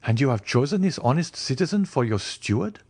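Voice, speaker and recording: Male reader doing an urbane young Parisian gentleman, lifted pitch, witty, polite, probing, teasing, audiobook dialogue. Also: very animated, fairly quick. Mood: teasing, curious.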